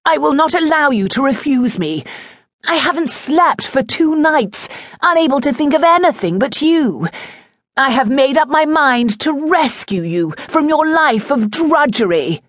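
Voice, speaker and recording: A woman's voice: sits high, lively intonation, unhurried, dry recording, studio quality, voice pushed up. A woman voicing a lovesick young lord with earnest, insistent pleading.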